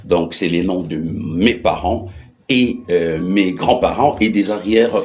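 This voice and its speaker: A middle-aged male interview guest with a Congolese accent. His voice sits low and deep. He explains things conversationally, with halting phrases that he often restarts and repeats. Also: darkish tone. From Democratic Republic of the Congo. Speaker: interview guest, political activist.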